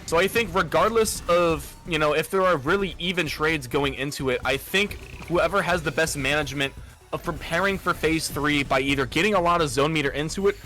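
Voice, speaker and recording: A man giving analytical play-by-play commentary on a competitive video game match, steady and full of "uh" fillers. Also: a little high, a little fast, soft background music. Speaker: esports commentator.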